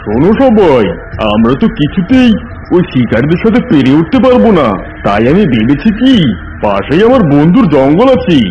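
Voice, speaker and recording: A man voicing a boastful, hungry, scheming tiger king in an animated fable, with a blustering, bossy way of talking. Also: fairly high pitch, normal speed, dull audio, slight background noise. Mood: commanding, sly. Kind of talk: animated fable character acting.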